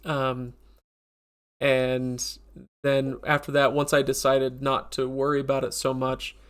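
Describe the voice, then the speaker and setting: A podcast host with a nasal, stuffed-up voice, chatting casually on a live stream. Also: male voice, mid-range voice, completely flat delivery, takes it slowly, fairly bright tone, clean tone.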